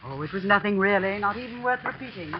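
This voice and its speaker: A woman's voice: mid-range voice, lively intonation, quick pace, crowd noise, close to an everyday voice. An actress playing an older woman, a school housekeeper who hesitantly confides gossip, in a 1940s radio drama. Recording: muffled 1940s radio broadcast.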